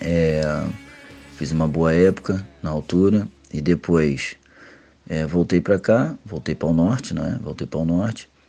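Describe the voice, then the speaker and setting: With music in the background, a man speaks at a fairly slow pace in a very deep, low pitch with ordinary pitch variation and long, frequent pauses. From Brazil, Rio de Janeiro (Paquetá island). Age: 40s. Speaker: amateur footballer. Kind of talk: interview.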